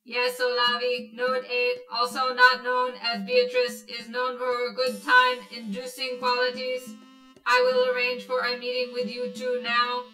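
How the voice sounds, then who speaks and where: A female pleasure android in a sci-fi radio play, high and bright in voice. She is polite, literal and stiffly seductive, like a scripted machine, heard in an echoey space with music behind. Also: big pitch swings, measured pace, full character voice. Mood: polite, mechanical. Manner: robotic, formulaic, stilted sultry delivery. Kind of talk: sci-fi radio drama acting.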